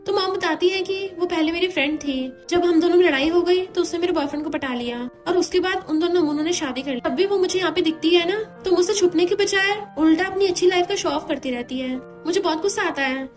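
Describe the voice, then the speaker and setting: A woman casually retelling a drama plot in a quick, chatty way. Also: very high-pitched, faint music behind. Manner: quick, chatty retelling with mixed English words. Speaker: drama recap narrator.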